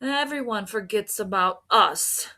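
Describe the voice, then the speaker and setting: Bitter, overlooked viola character for a storybook, read by a woman. Slow, sorry-for-itself complaint. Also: mid-range voice, bright, forceful tone. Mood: bitter, self-pitying. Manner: complaining, aggrieved. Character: bitter, neglected, self-pitying violas.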